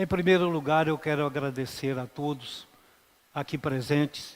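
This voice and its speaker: A fairly high-pitched man at a fairly slow pace. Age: 60s. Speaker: pastor. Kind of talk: sermon. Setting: church.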